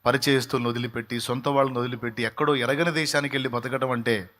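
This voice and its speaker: A man preaching a sermon as pastor, swinging between loud fervent exhortation and quiet pleading. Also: mid-range voice, steady tone, fast. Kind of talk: Telugu sermon with sung opening.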